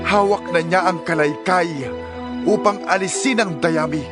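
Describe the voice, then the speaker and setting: High-pitched fiery desert prophet. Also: male voice, a little slow. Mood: solemn, exhorting. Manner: declamatory, exhorting. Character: fiery desert prophet, stern man preaching repentance. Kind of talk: dramatized scripture audio drama. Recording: music behind the voice. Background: music.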